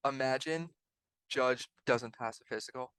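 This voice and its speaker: A man's voice: mid-range voice, measured pace, fairly bright tone, smooth, no room sound, rough recording. Regular-voiced guy on a sports podcast, chatty, breaks stuff down. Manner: analytical, chatty. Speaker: podcast co-host. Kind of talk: casual sports chat.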